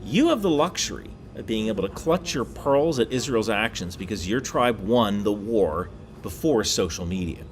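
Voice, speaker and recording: A man talks through a casual explainer monologue, his voice swinging lively up and down as he drops wry asides and leans hard on key points. He's recording on a laptop mic while away on a work trip. A faint ambient hum sits under his voice. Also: fairly low pitch, normal speed. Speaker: YouTube explainer host.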